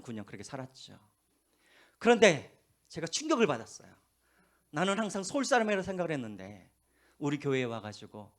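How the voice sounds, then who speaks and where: A pastor preaching a sermon, telling stories with a lively voice and dropping to quiet asides, with a faint Jeolla accent. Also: male voice, on the high side. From Korea, Gwangju. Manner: animated storytelling, drops to hushed asides. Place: church.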